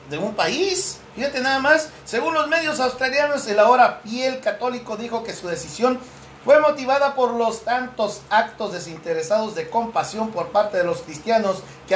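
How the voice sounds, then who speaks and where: A man hosting a casual Catholic talk show, chatting with a co-host, joking and laughing often, and reading news aloud. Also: high voice. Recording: roomy with faint background noise.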